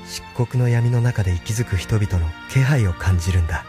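An actor playing a thoughtful, earnest young man in a radio drama, speaking softly and reflectively. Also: fairly low pitch, fairly quick, over music, close to an everyday voice. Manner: soft-spoken, reflective. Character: thoughtful young male leader, gentle and earnest.

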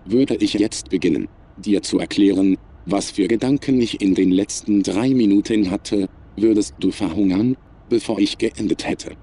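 A man playing a cold, superior, menacing artificial intelligence in a science fiction audio drama, speaking in a measured, formal, emotionless way. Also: lowish voice, mellow, husky. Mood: analytical, detached.

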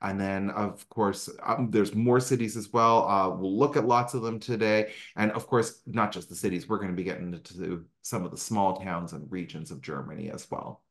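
A man's voice: sits low, fairly even intonation, normal speed, hardly any pauses. Upbeat Canadian man presenting travel slides. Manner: upbeat, conversational, frequent ums and asides. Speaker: travel advisor presenting a destination talk. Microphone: video call microphone.

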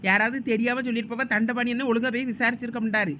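A woman acting a bossy neighbour who firmly calms a friend in a comedy skit. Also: a little high, very fast, highs cut off, a little hiss or hum. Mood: scolding. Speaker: skit actor playing a neighbour.

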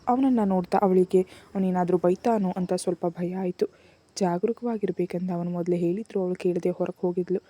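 A woman narrating a serialized romance novel in a steady, soft storytelling manner. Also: mid-range voice. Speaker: audiobook narrator.

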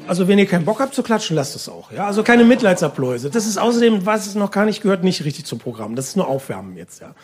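A male stand-up comic and slam poet rattles through a live monologue with few pauses, his high, husky voice extremely animated. The delivery is wry, colloquial and theatrical, and laughter rises from the audience.

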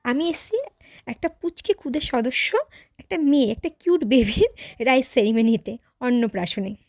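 A young woman with a high voice tells viewers about her day in a chatty vlog. The recording is dry and close, with no room sound around her. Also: moderate pace, a little mellow, no room sound. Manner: chatty, addresses viewers directly. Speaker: vlogger. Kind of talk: casual vlog narration.

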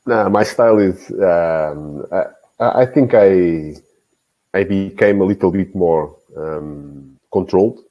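A man in his forties, a guest football coach, talking in a casual interview over a video call. His speech is halting, full of restarts and repeated words. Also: low-pitched, muffled recording. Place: small indoor room. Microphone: video call, earphones with mic.

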